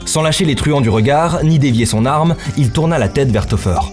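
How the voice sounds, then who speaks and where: A man's voice: medium pitch, moderate pace, darkish tone. A man narrating a scripted action story in a dramatic style, with music behind him.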